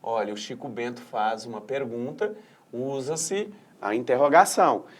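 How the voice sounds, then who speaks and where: A man's voice: medium pitch, moderate pace. A man with a Brazilian Portuguese accent, teaching an adult-education lesson in an explanatory way and often checking in with tag questions.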